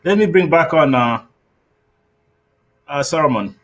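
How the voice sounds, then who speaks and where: A man hosting a panel discussion, moderating guests, speaking haltingly with many fillers. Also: on the high side, lively intonation. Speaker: host, moderator.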